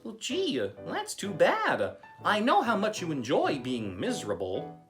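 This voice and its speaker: A man's voice: sits high, wildly swooping pitch, normal speed, fairly bright tone, soft background music, heavily acted. A man voicing a friendly, hesitant puppet host with an encouraging gee-whiz manner in a comedy show. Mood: sympathetic.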